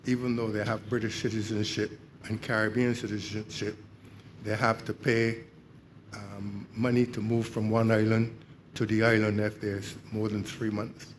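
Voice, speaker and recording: A man's voice: lowish voice, flat delivery, moderate pace, a little hiss or hum. An older man from Barbados, raising points hesitantly at a community meeting. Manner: hesitant, many fillers. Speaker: audience member. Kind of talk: public consultation comments.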